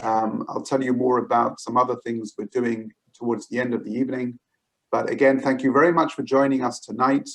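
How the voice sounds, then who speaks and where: A man hosting an online event, giving a formal welcome with many halting fillers. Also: medium pitch, flat delivery, a bit bright, low-quality recording. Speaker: event host.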